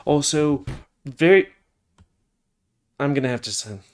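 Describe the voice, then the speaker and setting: A man's voice: a little high, animated, measured pace. Guy rambling about games he's been playing, restarts a lot, light music in the back. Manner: rambling and self-interrupting, with fillers. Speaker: gaming video host. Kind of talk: casual game review over gameplay.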